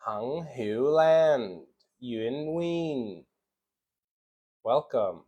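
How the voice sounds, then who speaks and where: A man's voice: mid-range voice, expressive, very slow, dark tone, slightly rough. An American man from Chicago, an English teacher, chatting casually on a live stream and greeting viewers by name with many fillers. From Chicago, USA.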